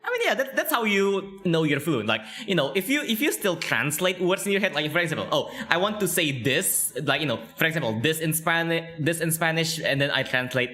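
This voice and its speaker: A man's voice: fairly high pitch, animated, brisk, few pauses, sharp tone, soft background music. A man with a Southeast Asian accent hosting a casual interview, rambling with many "like, you know" fillers and frequent laughs. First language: not English. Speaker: interview host. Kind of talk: casual chat.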